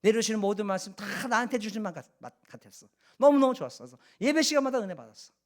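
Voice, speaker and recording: A man's voice: high-pitched, expressive, racing. A man preaching a sermon as pastor in a church, asking the congregation rhetorical questions and pressing his points with emphasis. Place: church sanctuary.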